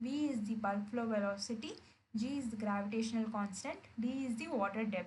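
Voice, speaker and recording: At a moderate pace, a woman with a fairly high pitch and a somewhat breathy voice speaks amid audible room echo. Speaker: teaching assistant. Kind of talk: tutorial.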